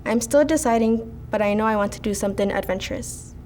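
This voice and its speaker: A woman's voice: medium pitch, fast, darkish tone, slight background noise. A teenage girl, a native Spanish speaker, earnestly reading a prepared speech as a student speaker. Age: teens.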